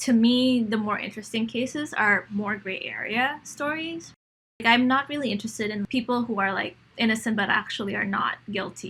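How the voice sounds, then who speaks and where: A woman with an American accent talks in a fairly high pitch. Her pace is fairly quick and her pitch varies in an ordinary way. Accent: slight, sounds passably American. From Indonesia. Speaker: journalist and film producer. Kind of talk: casual podcast interview. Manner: frequent fillers, code-switching English and Indonesian.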